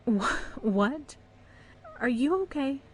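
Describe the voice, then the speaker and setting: A woman's voice: sits high, expressive, slow pace, husky, exaggerated voice. A woman playing a puzzled, skeptical wife. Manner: questioning, with light laughs.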